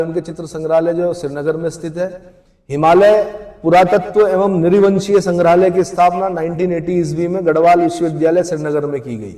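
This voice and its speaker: A man's voice: on the high side, warm tone, reverberant. A man teaching an exam coaching lecture, who asks questions and then answers them himself.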